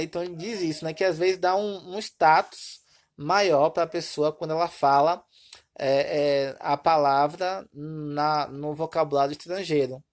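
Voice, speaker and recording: Low-voiced Brazilian teacher explaining patiently. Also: female voice. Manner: explanatory, repeats points with "tá bom?" checks. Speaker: Portuguese teacher. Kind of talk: recorded video lesson.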